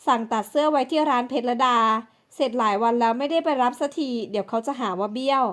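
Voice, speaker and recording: A woman's voice: fairly high pitch, fast talker, close to an everyday voice. A woman voicing a pushy, spoiled older sister. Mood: sweet, coy. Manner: bossy and pushy.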